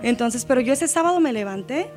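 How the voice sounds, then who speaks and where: Heartfelt woman telling her testimony, higher voice. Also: lively intonation, fast, a little mellow, faint music behind. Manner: heartfelt, emotional storytelling, mixes English words. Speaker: Christian singer, guest. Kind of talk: personal testimony in an interview.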